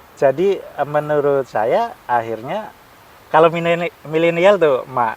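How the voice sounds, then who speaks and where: Speech comes at a fairly slow pace with lively intonation. Noticeable background noise runs underneath. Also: man, fairly high pitch for a man. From Cirebon, West Java, Indonesia. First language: Cirebon Javanese (speaking Indonesian). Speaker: cultural scholar. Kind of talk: radio podcast interview.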